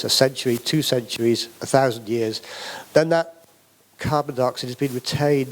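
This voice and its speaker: A man's voice: medium pitch, low-quality recording. A middle-aged British man from the UK giving a public talk as an academic speaker, with many fillers and restarts. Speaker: academic speaker on wood construction.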